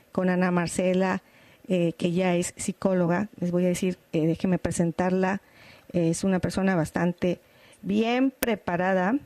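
A woman hosting a Catholic radio talk show, leading prayers in a measured, prayerful way. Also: mid-range voice, dark tone, no echo. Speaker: radio host.

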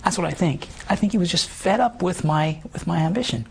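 A man around fifty with a hoarse, damaged voice, earnestly telling his life story as an interview guest, halting and full of restarts. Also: high voice, expressive, a little mellow, slight background noise. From Canada. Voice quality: hoarse, gravelly voice. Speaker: guest sharing his testimony. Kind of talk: personal testimony in conversation.

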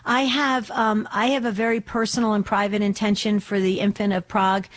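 A woman hosting a devotional call-in radio show, chatty and devout, with a slightly hoarse voice and frequent restarts. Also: medium pitch, little pitch movement, fairly quick.

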